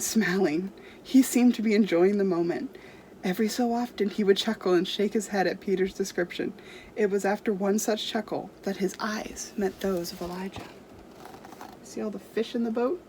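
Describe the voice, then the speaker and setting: A woman's voice: mid-range voice, normal speed, dark tone, slight background noise, poor audio. A woman storyteller reading a storybook aloud to children expressively.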